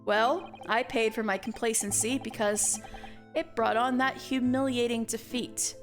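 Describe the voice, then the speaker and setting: A woman's voice: on the high side, fairly even intonation, a little slow, music in the background, pitched below the performer's own voice, natural voice. A woman voicing a proud, melodramatic young man from a video game, speaking formally and full of self-pity. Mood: rueful. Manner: formal, theatrical, self-pitying. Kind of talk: reading game dialogue in character.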